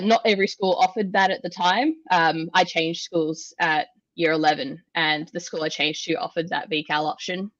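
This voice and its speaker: A young woman with an Australian accent talks at a relaxed pace, dotting her explanations with "um". Her voice sits on the low side. The audio is dry and slightly dull, with the muffled sound of a basic mic. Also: no room sound. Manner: relaxed, explanatory, frequent "um" pauses. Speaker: guest, industrial automation engineer. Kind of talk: casual interview answers.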